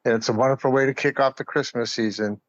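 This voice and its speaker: A man's voice: mid-range voice, fairly even intonation, fast talker, no room sound. An older man from upstate New York, a community actor, reminiscing conversationally in a podcast interview. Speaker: community radio play actor. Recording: dry, dull lo-fi sound.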